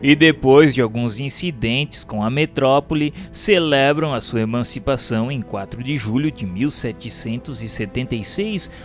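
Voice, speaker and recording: A man with a Brazilian accent reading scripted narration in a formal, solemn, declamatory manner. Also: mid-range voice. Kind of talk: scripted audiobook-style narration of a historical religious text. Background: music.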